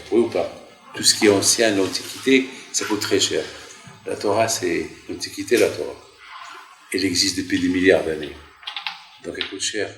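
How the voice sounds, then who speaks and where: A man's voice: fairly low pitch, slight background noise. A man in his sixties, a rabbi telling a story in a sermon, repeating phrases for emphasis in a yeshiva hall. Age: 60s. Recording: roomy echoing hall.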